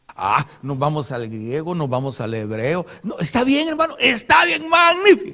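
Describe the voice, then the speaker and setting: With hardly any pauses, this man talks at a fairly slow pace. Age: 60s. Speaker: pastor. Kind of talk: sermon. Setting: pastors' retreat with audience.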